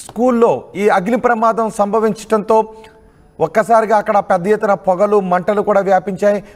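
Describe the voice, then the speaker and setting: A male news presenter with a Telugu accent and a notably high-pitched voice. He reads scripted news narration, and the sound carries a long reverberant tail.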